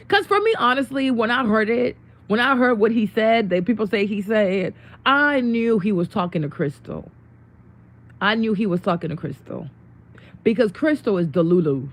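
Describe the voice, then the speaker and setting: A young woman with a worn-out, hoarse voice chatting casually with viewers on her livestream, greeting them and laughing often. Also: mid-range voice. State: losing her voice. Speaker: livestream host. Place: home room.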